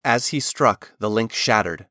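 Measured man narrating a fantasy tale. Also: on the low side, pushed and bright, no echo, clean studio sound.

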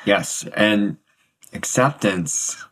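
A man with a very low, deep voice co-hosting a podcast. He teases his co-host playfully, then settles into calm, clear explanations. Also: extremely slow. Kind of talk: casual podcast chat.

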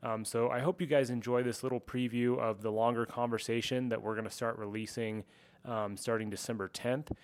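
A man's voice: mid-range voice, level tone, fairly quick. A man host reading a podcast intro and disclaimer in an earnest way, with filler ums.

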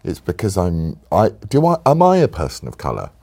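A man hosting a casual political chat, animated and jokey, with sudden mocking asides. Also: sits low, brisk, gravelly. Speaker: interviewer and podcast host.

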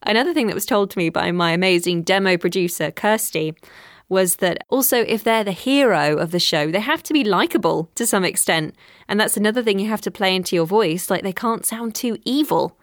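A woman's voice: medium pitch, fairly quick, dry recording. A chatty woman who works in voiceover talks through her craft in a casual interview. She laughs easily and pokes fun at herself, in a plain mid-range voice. The sound is close and dry. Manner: chatty, laughs often, self-deprecating. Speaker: voiceover artist, guest.

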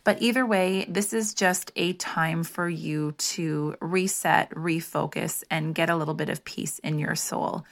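A woman with a lowish, soothing voice hosts a wellness podcast. She talks softly and unhurriedly, with a casual, open warmth before a meditation. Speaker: podcast co-host, holistic health practitioner. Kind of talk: casual chat, gentle intro to a guided meditation.

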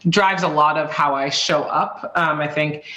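A woman from Boston, in her thirties, speaking as an interview guest in a warm, chatty way with frequent ums and likes. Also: deep voice, fairly even intonation, unhurried, rough recording. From Boston, USA. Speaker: guest, tech author. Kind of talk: casual interview.

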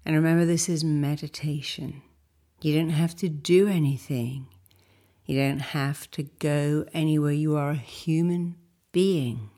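A woman leading a guided meditation in a soothing, unhurried, instructive way, with a soft voice that turns breathy at phrase ends. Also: low voice.

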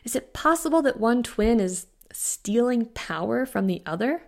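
A woman's voice: fairly high pitch, animated, moderate pace, vocal fry, darkish tone, pitched above the performer's own voice. A woman voicing a nauseated young pregnant woman who speaks weakly and hesitantly. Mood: weary, hesitant. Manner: weak, hesitant.

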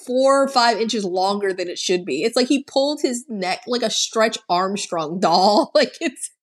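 A woman's voice: medium pitch, lively intonation, normal speed. A woman co-hosting a podcast, recapping a horror movie in a chatty, sarcastic way and saying "like" a lot. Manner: chatty and sarcastic, heavy use of "like". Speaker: podcast co-host. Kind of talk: casual film recap.

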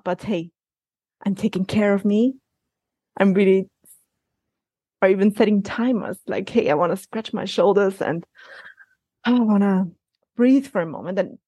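A woman speaks as a coaching guest in a relaxed interview, her tone gentle and reassuring. She often breaks off and restarts her sentences as she thinks aloud. The sound is dry and close. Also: medium pitch, breathy edge, no echo. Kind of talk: conversational interview answers.

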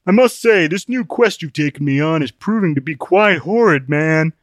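A man's voice: a little high, lively intonation, moderate pace, no echo, clean studio sound, voice pushed up, natural voice. A man voicing a pompous, fearful male traveling companion who complains dramatically in an audiobook story. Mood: anxious complaint.

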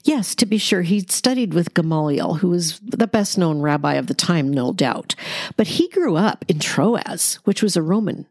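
A woman's voice: fairly low pitch, animated, normal speed, a little mellow, no echo, clean studio sound. A woman hosting a Bible study, explaining scripture conversationally in an explanatory, emphatic way. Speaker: Bible study podcast host.

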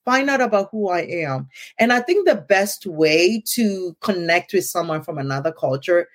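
A woman's voice: fairly low pitch, lively intonation, moderate pace. A middle-aged woman with a Ghanaian accent, hosting a casual conversation in an earnest tone and often checking in with "right?". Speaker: podcast host.

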